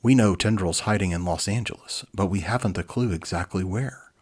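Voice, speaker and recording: A man voicing a gruff, determined team leader who hunts monsters, speaking with urgent command in a storybook. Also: sits low, brisk, darkish tone.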